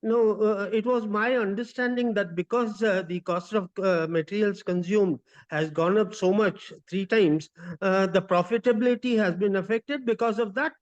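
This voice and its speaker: On a dull-sounding conference call line, a high-pitched man with an Indian accent asks questions as an investor. His speech is halting, yet he presses his points insistently.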